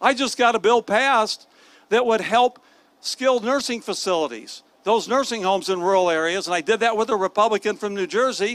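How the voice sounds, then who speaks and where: The speaker has a Midwestern American accent, and the sound is dry with no echo. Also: man, high pitch for a man, ordinary pitch variation, fairly quick pace. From Iowa, Sioux City. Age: 60s. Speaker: congressman. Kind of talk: political stump speech. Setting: outdoor stage at state fair with audience. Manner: folksy, halting with fillers. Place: stage. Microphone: handheld.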